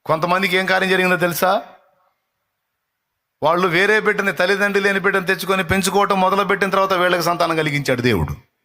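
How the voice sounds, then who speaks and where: Male preacher, high tense voice, impassioned repetition, fervent live sermon. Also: fast talker, bright, forceful tone. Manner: impassioned, repeats phrases, rebukes. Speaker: pastor.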